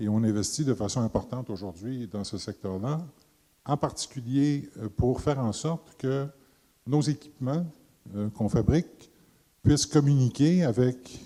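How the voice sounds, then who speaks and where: A man with a Canadian French accent speaks at a medium pitch in a dark, mellow tone, with ordinary pitch variation. He moves at a fairly slow pace and takes long, frequent pauses. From Canada. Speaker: business executive. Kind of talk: panel discussion. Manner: hesitant, many fillers.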